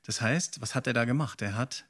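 A man's voice: medium pitch, brisk, a bit bright. A middle-aged man from Germany chatting casually as a podcast co-host, asking questions and explaining.

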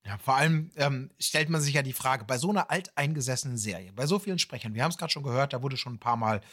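A man's voice: medium pitch, fast, fairly bright tone. A man co-hosting a podcast in playful, wordy casual chat. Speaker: podcast co-host.

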